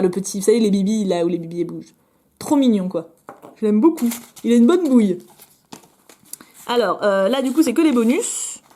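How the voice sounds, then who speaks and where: A young woman chatting excitedly as she opens fan mail at home, with many fillers. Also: mid-range voice. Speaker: vlogger opening fan mail. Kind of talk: casual unboxing chat.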